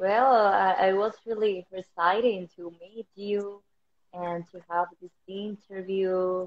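Very slow female speech in a Spanish accent, monotone and flat in intonation, with big swings in loudness. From Dominican Republic. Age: 20s. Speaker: beauty pageant winner; interviewee. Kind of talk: live-stream interview. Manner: halting. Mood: friendly, smiling. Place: home room. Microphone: video call.

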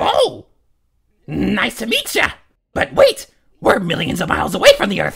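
Using a put-on character voice, the speaker keeps a moderate pace broken by long, frequent pauses. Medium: dub. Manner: upbeat.

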